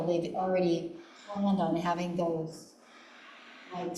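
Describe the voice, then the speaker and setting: A woman member of a committee speaks on a video call in a slightly low voice, hedging and tentative. Her voice echoes in a roomy space. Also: a little mellow, slight background noise. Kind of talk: casual meeting discussion. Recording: echoey room.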